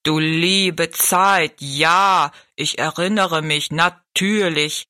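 A woman voicing a tall, thin, dignified male giant from a fair show, who talks slowly in a courtly, regretful way. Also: deep voice, steady tone, dry recording, studio quality, heavily acted. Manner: slow, courtly and gently regretful.

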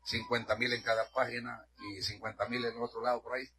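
A middle-aged man from Honduras preaching a sermon in a church. He is fervent, shouts at his peaks and drops to hushed asides. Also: mid-range voice, flat delivery, fast. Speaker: pastor.

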